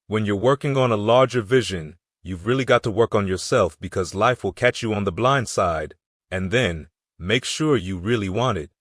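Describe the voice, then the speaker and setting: A man's voice: lowish voice, normal speed, no room sound, studio quality. A man narrating a motivational audiobook in an earnest, emphatic way.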